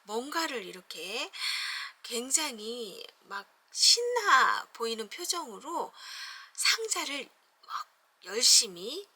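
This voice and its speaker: A woman's voice: a little high, takes it slowly, breathy edge, no room sound. A woman teacher walking through a picture book and showing other teachers how to read it aloud with feeling. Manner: expressive, acts out the story.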